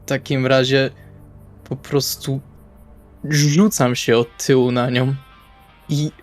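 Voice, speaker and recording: A man playing a tabletop RPG, narrating his character's actions in the first person in short, deliberate phrases. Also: medium pitch, little pitch movement. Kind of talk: first-person roleplay narration over game session. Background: soft guitar music.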